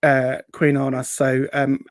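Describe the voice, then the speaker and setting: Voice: mid-range voice, monotone, unhurried, no echo, studio quality. A host chatting casually on a live show, rambling and hesitant, reading out comments in an upbeat way. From Essex, England.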